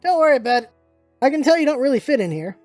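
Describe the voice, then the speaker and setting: A woman's voice: sits high, sing-song, rapid-fire, a little mellow, soft background music. A woman playing an easygoing, reluctant but kind soldier in a story reading, talking in casual, slightly hesitant slang. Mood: reassuring.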